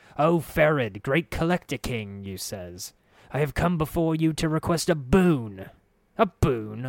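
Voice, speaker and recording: A man's put-on character voice, fairly high-pitched and fairly slow, on a very clean recording with a silent background. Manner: sly, wheedling, rambling.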